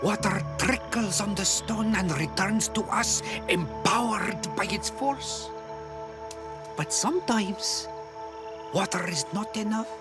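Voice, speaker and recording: A man's voice: sits high, slow pace. An actor playing a cryptic old tribal elder in a video game, riddling and drawing out his words. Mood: cryptic, musing. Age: older. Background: game music under the voice.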